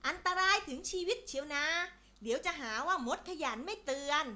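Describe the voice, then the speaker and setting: A woman's voice: high voice, animated, a little fast, sharp tone, pitched below the performer's own voice. A woman doing a stern little ant. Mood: scolding. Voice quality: stern, lecturing. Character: diligent scolding little ant. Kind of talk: children's storybook voice acting.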